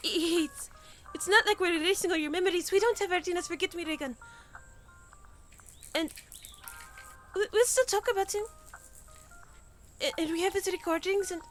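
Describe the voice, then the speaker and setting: A woman playing a chatty, earnest young princess in a fiction podcast, rambling emphatically and stammering as she coaxes. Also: very high-pitched.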